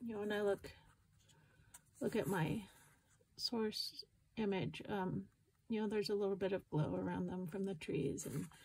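Mumbling female speech with vocal fry, medium pitch and a fairly slow pace. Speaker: watercolor sketch artist. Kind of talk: casual tutorial talk while drawing. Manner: hesitant, mumbling with many fillers.

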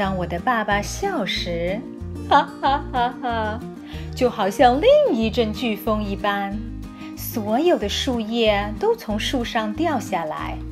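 A woman talks very slowly while music plays behind her. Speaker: story time host who reads books aloud in English and Mandarin. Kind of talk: children's picture book read-aloud in Mandarin Chinese. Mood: playful, expressive sound effects. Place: home room.

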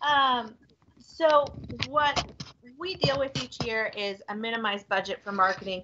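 Against noticeable background noise, a woman speaks fairly slowly in a fairly high voice with ordinary pitch variation. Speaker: city staff presenting marketing. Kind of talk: committee meeting presentation. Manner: soft-spoken. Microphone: video call.

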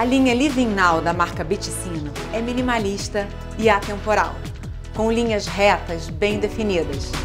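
Over clear background music, a woman talks at a fairly slow pace with ordinary pitch variation. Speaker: presenter; voice actor. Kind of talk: live product presentation. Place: studio.

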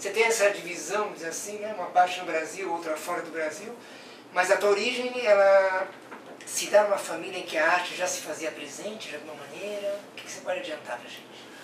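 Fairly quick pace from a male speaker, high in pitch, ordinary pitch variation, noticeable background noise behind. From Brazil. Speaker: journalist interviewer. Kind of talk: interview. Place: studio.

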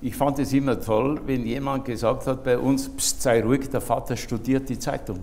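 In a Bavarian accent, a man talks at a moderate pace with monotone, flat intonation and hardly any pauses. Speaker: cabaret artist. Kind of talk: stage interview answer. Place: stage.

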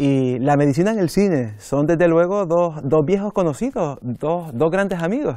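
A man speaks at a moderate pace with a fairly high pitch, lively intonation, very even loudness and hardly any pauses, in a dry sound with no echo. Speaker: interviewer. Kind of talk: interview. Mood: warm, engaged, conversational. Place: studio. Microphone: lapel.

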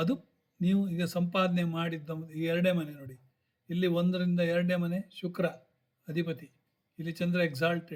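A man's high voice with fairly even intonation. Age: 70s. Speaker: astrologer. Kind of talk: tutorial. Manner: halting.

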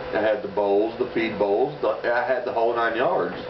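A man speaking at a moderate pace, with noticeable background noise. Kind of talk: casual vlog chat. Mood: relaxed, storytelling. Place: home room. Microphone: camera far.

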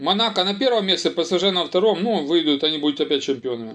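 A man with a high-pitched voice and ordinary pitch variation speaks over a quiet background. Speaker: football commentator blogger. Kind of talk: casual monologue. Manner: casual, rambling.

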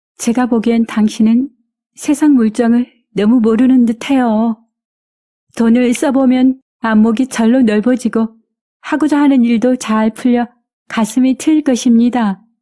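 Speaking fairly slowly, a woman with a fairly high, somewhat breathy voice uses a dark, mellow, calm, soothing tone in a dry, close sound with no echo. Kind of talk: audiobook folktale narration.

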